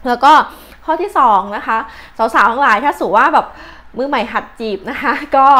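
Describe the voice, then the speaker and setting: Casting: young Thai woman, chatty advice vlogger, slightly high voice. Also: a bit bright. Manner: chatty, uses many fillers and polite particles. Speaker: channel host, astrology and advice vlogger. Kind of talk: casual chatty explainer, translating tips.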